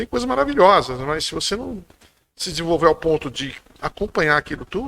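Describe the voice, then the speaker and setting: A man speaks at a fairly quick pace in a fairly high, bright and sharp voice, his intonation lively and his loudness swinging widely, all in a dry, close sound with no echo. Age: 60s. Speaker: business author and speaker. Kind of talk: podcast interview. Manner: hesitant, frequent filler repetitions.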